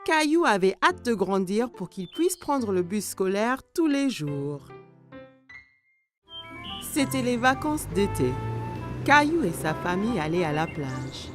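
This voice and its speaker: A woman's voice: mid-range voice, very animated, slow pace, music in the background. A woman reads scripted children's story narration for a cartoon.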